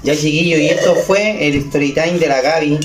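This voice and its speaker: A man's voice: a little high, normal speed. A Chilean man adding short, affectionate remarks as co-host beside his partner. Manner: brief affectionate interjections. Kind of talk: casual chat.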